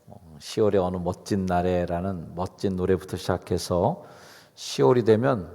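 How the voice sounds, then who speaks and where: A man's voice: deep voice, normal speed, creaky, dark tone. A middle-aged man, a pastor, preaching a sermon in a conversational, chatty way, asking the congregation questions. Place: church sanctuary. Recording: long reverb of a church hall.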